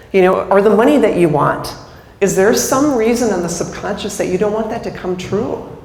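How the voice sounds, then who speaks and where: Amid noticeable background noise and audible room echo, a woman with an American accent speaks at a fairly quick pace. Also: medium pitch for a woman, ordinary pitch variation. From US Upper Midwest (Minnesota). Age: 60s. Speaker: keynote speaker and money mindset coach. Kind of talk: conference talk.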